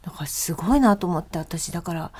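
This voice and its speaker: A woman's voice: lowish voice, expressive, quick pace, warm tone. A woman chatting casually in conversation. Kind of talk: casual chat.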